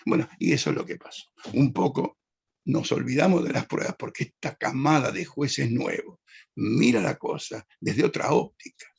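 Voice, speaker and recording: A man's voice: medium pitch, expressive, moderate pace, gravelly, husky, muffled recording. An older man, a judge reminiscing in an interview, digressive and correcting himself as he goes. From Argentina. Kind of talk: anecdotal interview answer.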